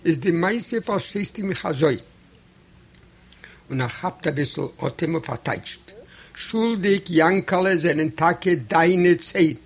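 Man doing a lecturing old rebbe, low, grave, reasoning, storybook reading. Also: unhurried, slightly rough.

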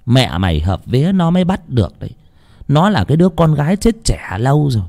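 A man voicing an older village woman who is a spirit medium, explaining slowly and matter-of-factly. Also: mid-range voice, big pitch swings, mellow, voice pushed up. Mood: calm, knowing.

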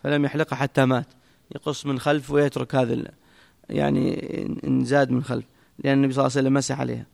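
A man explaining a religious text to a class in a brisk manner, with quick asides and restarts, recorded in an echoey hall. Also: mid-range voice, level tone, vocal fry, a little mellow. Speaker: teacher explaining a hadith text. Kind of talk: classroom commentary.

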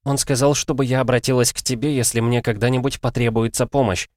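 A tense, determined mother who keeps her voice measured and restrained, lifted a little above a man's usual range, as a male reader voices her. Her words sound close and dry. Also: mid-range voice, little pitch movement, darkish tone, dry recording, voice pushed up, close to an everyday voice. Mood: guarded.

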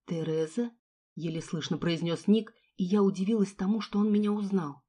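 A woman reading a first-person novel aloud as an audiobook narrator, with expressive storytelling. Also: medium pitch, brisk, husky.

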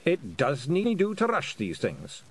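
A man putting on a shouty Scottish pixie chief. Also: huge pitch swings, unhurried, husky, full character voice. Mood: sly. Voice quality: high, shouty. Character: tiny fierce male pixie warrior chief.

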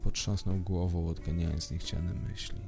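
A man reading a horror story aloud in measured, scripted narration. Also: deep voice, fairly even intonation, vocal fry, music in the background. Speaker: audiobook narrator.

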